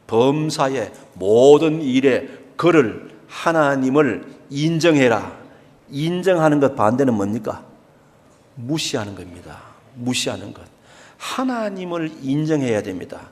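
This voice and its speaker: Older Gyeongsang pastor with lively pitch. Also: male voice. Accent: Gyeongsang Korean. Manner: emphatic, repeats key phrases, acts out everyday speech. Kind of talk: sermon. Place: church sanctuary. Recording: long church reverb.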